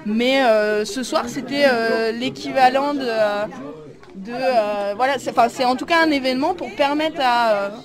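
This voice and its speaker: A woman speaks haltingly, with lots of fillers and pauses, her voice a little high. She is recorded outdoors at a street market, and a steady crowd chatters around her. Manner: hesitant, many fillers. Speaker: community association worker. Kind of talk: street interview.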